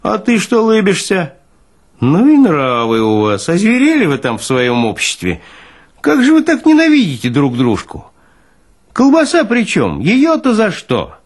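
A man's voice: sits high, wildly swooping pitch, a little slow, voice pushed up, full character voice. A man voicing a folksy, philosophizing morgue orderly in a dramatized literary reading, insistent and colloquial in his exclamations. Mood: indignant.

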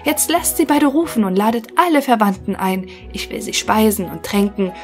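A woman's voice: medium pitch, expressive, normal speed, faint music behind, close to an everyday voice. A woman voicing a proud young male turner in a fairy tale audiobook, speaking firmly and confidently.

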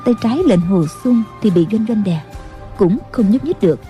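A woman narrating a martial-arts novel as an audiobook in a steady storytelling voice. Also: mid-range voice, moderate pace. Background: faint music.

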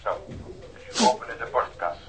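An actor playing a probing police investigator who questions in a terse but polite way, in radio drama dialogue. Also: male voice, moderate pace, background noise, lightly acted.

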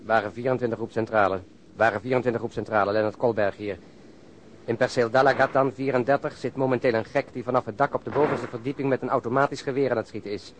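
An actor in a Dutch radio drama playing an alert, commanding plainclothes police detective. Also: male voice, mid-range voice, fairly even intonation, fast, slight background noise, close to an everyday voice. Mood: brisk, official.

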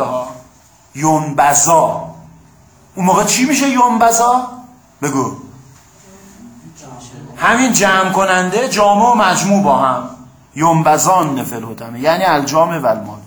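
Male teacher, high voice, lively classroom lecture, keeps prompting listeners, echoey room. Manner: keeps checking with listeners and prompting them to answer; reads Arabic passages, then explains them in plain speech. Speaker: teacher of Quran commentary.

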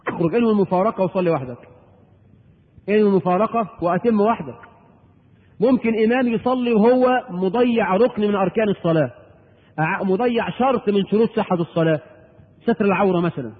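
A man with an Egyptian accent delivers a sermon in a high, breathy voice, pausing to ask rhetorical questions and repeat his points. The sound is thin and phone-like. A long reverb hangs after each phrase, as in a large hall. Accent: Egyptian Arabic. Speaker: preacher. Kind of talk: Islamic lecture with audience questions. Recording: echoey hall over a tinny narrow line.

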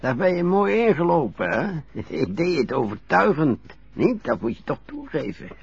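An actor playing a frail old widower in a radio play, hesitant and stammering, sometimes fearful and sometimes teasing. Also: male voice, fairly high pitch, sing-song, normal speed, vocal fry, slightly rough, lo-fi sound, heavily acted. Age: older.

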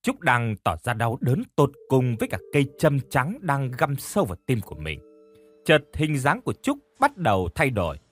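A man's voice: medium pitch, huge pitch swings, moderate pace, fairly bright tone. A man narrating a horror audiobook in an emotive, dramatic storytelling style.

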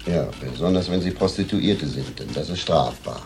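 A self-assured, masculine gay man in a radio crime drama. His voice is extremely deep, and he explains things in a dry, matter-of-fact way over faint background noise. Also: moderate pace, creaky.

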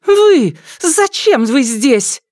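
A man voicing a spoiled, furious rich teenage girl in an audiobook, shrill, mocking and scornful. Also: sing-song, moderate pace, no echo, clean studio sound. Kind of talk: audiobook character voice.

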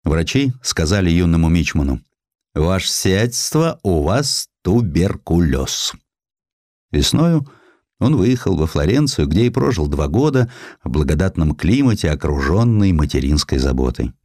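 A male narrator with a low voice tells a historical tale. His delivery is measured and theatrical, with lively rises and falls in pitch. The recording is dry and close. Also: no room sound. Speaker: audiobook narrator. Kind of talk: dramatic scripted narration of historical essay.

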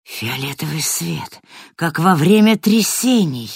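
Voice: mid-range voice, animated, takes it slowly, creaky, breathy edge, no room sound, studio quality, heavily acted. The audiobook narrator voicing a young heroine who cries out in alarm in her thoughts. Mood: startled. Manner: urgent, crying out.

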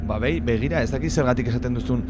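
A man's voice: mid-range voice, very fast, natural voice. A man playing a chatty, encouraging taxi driver in radio theatre, rambling and repeating his words. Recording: loud vehicle noise behind the voice.

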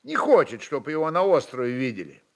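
A man's voice: a little high, wildly swooping pitch, fairly quick. A man voicing a simple, good-natured young Cossack with plain, folksy speech. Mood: plain, earnest.

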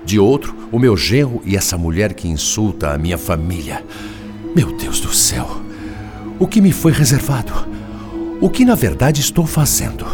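A man playing an anguished, indignant spirit, a father lamenting his family in an agitated, exclamatory radio drama style. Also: low-pitched. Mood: despairing. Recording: music bed under radio drama voice.

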